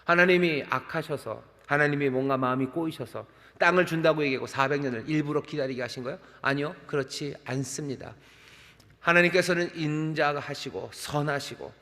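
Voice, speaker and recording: A man's voice: medium pitch, fairly bright tone. Man preaching in a reverberant church hall. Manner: preaching with emphatic repetition and rhetorical questions. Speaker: senior pastor. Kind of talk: sermon. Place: large church sanctuary.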